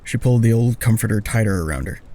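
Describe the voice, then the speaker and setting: A man's voice: lowish voice, animated, quick pace, mellow. A man narrating a scripted story in an audio drama.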